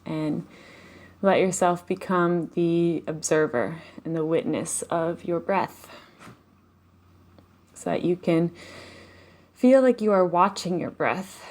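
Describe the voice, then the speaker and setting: A woman leading a live guided meditation, speaking softly and slowly with long pauses and audible sighs. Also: fairly low pitch, steady tone. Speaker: meditation teacher. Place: home, live online session.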